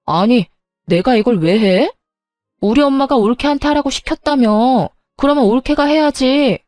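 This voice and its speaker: A woman's voice: high voice, moderate pace, darkish tone, dry recording, soft background music, natural voice. A woman voicing a spoiled, entitled sister-in-law who bickers indignantly in a dramatized story.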